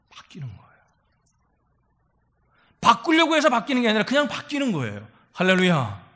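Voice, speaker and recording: Bright-voiced high man preaching. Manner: animated preaching, acting out quoted voices, frequent hallelujahs. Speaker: pastor. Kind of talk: sermon. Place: church sanctuary.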